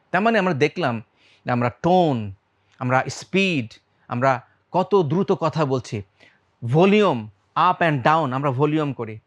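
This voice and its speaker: A man with a Bangladeshi accent teaches public speaking, his voice sitting a little high. He throws quick questions at his listeners and plays with loudness and speed as he talks. English words slip in among his sentences. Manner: quizzes the audience, shifts loudness and speed on purpose. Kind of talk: lively talk to the audience.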